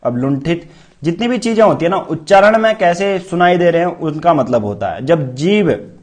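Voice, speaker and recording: A man's voice: a little high, animated, normal speed. A man teaching a grammar lesson for exam preparation, demonstrating sounds aloud and quizzing students with questions he answers himself. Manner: repeats key terms as questions and answers them.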